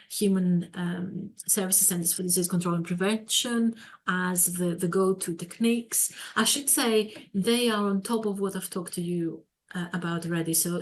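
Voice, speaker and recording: Greek-accented woman lecturer, low-ish pitch, gravelly fry, explains step by step with fillers. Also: darkish tone. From Greece. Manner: explanatory, many fillers and repeated words. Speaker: webinar speaker, psychologist. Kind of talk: presenting a webinar lecture.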